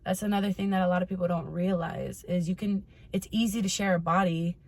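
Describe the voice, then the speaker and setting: A woman's voice: lowish voice, fairly even intonation, a little fast. A woman hosting a casual advice vlog, talking candidly and informally to her followers and swearing freely. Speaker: host of a personal advice vlog. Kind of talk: casual chatty monologue to followers.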